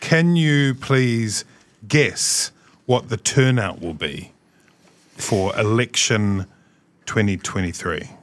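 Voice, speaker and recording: Using a New Zealand accent, a man speaks at a very slow pace with long, frequent pauses, his medium pitch moving in lively intonation. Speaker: politics podcast host. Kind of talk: casual interview. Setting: studio.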